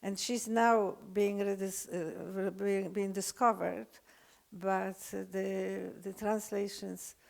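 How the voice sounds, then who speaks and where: An older woman with a Polish accent, lecturing unscripted, halting often with fillers and restarts. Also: medium pitch, flat delivery, gravelly. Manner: hesitant, many fillers and restarts.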